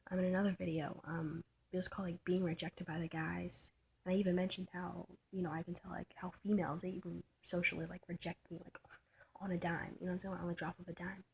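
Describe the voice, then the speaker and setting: A trans man with a soft, light voice, thinking aloud in a personal vlog, halting and searching, often trailing into a whisper. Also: sits high, level tone, creaky, slight background noise, low-quality recording. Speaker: vlogger. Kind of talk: personal reflective vlog monologue.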